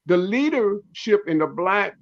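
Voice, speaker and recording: A man's voice: high-pitched, lively intonation, unhurried, dull audio. A man in his sixties, a comedian guest on a talk show, speaking emphatically and repeating his points. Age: 60s. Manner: emphatic, preachy, repeats phrases. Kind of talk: casual radio talk show discussion.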